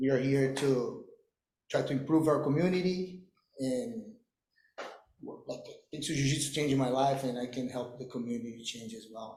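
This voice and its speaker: A man with a Brazilian Portuguese accent talks at a moderate pace and medium pitch, with ordinary pitch variation and long, frequent pauses. His loudness swings widely, and the room echo is audible. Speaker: martial arts gym owner, applicant. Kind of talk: public testimony. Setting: city planning commission meeting. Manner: halting.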